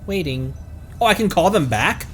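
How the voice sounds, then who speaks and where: A man's voice: sits high, animated, normal speed, a bit bright. A man streaming a video game with casual, playful live commentary, reacting and exclaiming as he plays. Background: faint game music.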